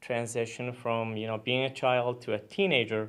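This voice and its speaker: A man with an Arabic accent at a fairly slow pace. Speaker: immigrant parent on panel. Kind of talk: panel talk. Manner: halting, many fillers.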